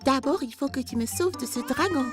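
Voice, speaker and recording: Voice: high voice, brisk, over music, lightly acted. An actor voicing a playful, imaginative little girl with a childlike voice in a children's cartoon. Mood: dramatic, playful.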